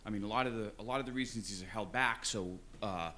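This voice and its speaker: A man's voice: on the low side, quick pace, bright, forceful tone. A man in a conference audience putting an informal, conversational question to the speaker. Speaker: audience member asking a question. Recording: faint room noise.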